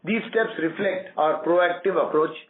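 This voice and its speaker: A man with an Indian accent, a bank executive formally reading prepared results on an earnings conference call. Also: sits high. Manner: formal, measured corporate reading. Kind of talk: scripted earnings call presentation. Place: conference call over phone. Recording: tinny, roomy phone line with static.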